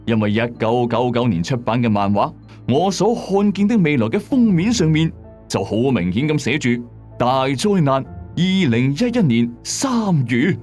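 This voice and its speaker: A man with a Hong Kong Cantonese accent narrates like a late-night mystery host. His mid-pitched voice swings widely in melody, building suspense and dropping in chatty asides. Music plays softly behind him. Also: very animated, moderate pace. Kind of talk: scripted storytelling narration. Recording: voice over background music. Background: music bed.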